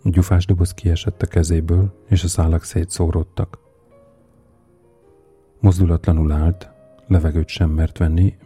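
Deep, dark-voiced male storyteller. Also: breathy edge. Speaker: narrator. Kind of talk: audiobook reading.

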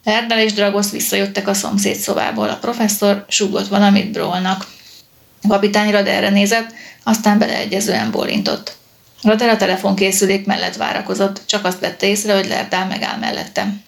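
Woman narrator, audiobook, gravelly voice, mid-pitched, even delivery.

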